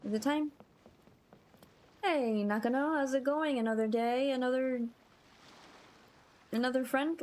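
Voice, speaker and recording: A woman's voice: fairly high pitch, a little mellow, a little hiss or hum. A woman livestreaming a game, chatting casually and gushing in a friendly way to her viewers. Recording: game music behind the voice.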